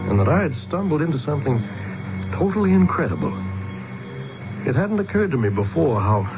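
An American actor playing a bewildered, impatient married commuter stranded in a strange town, in 1970s radio drama style. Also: male voice, medium pitch, creaky. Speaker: protagonist narrator in a radio drama. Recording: dull vintage radio recording with music.

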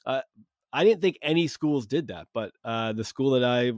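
A man's voice: mid-range voice, animated, normal speed, darkish tone, no echo, clean studio sound. A young man hosting a podcast, talking in rambling casual chat with many fillers. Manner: rambling, heavy on fillers and restarts. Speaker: podcast host.

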